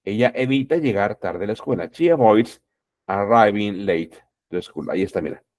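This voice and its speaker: A man teaching a class, repeating each word and its translation, calling out words loudly and then dropping his voice. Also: fairly low pitch, expressive, moderate pace. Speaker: English teacher. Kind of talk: classroom lesson.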